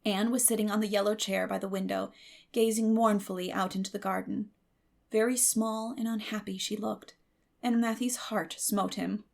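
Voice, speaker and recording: A woman reading a classic story as a dramatic audiobook narrator, expressive and measured. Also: mid-range voice, creaky.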